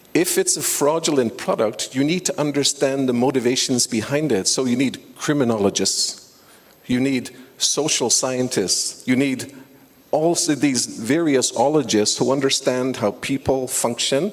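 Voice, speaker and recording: Against noticeable background noise, a man talks at a fairly slow pace with a medium pitch and ordinary pitch variation. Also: very even loudness. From Ireland. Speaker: professor. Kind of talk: conference talk. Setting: stage with audience.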